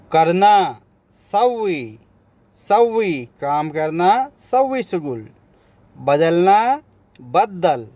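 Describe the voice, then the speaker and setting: A man leads a vocabulary lesson at a very unhurried pace, repeating every word before explaining it. His voice sits a little high for a man. The recording is dry, with almost no room sound. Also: darkish tone, dry recording. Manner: repeats each word slowly, then gives the meaning. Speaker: language teacher.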